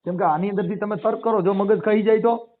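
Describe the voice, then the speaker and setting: Speaking quickly with a steady tone in a high register, a man with a Saurashtra Gujarati accent makes his case emphatically on a phone call. His speech is colloquial and full of rhetorical questions, and the telephone recording is muffled and narrow-band.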